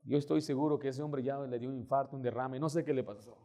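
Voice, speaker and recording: A male pastor, preaching a sermon and telling stories with emphatic, lively delivery. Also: medium pitch, quick pace. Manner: storytelling, acting out quoted voices, emphatic.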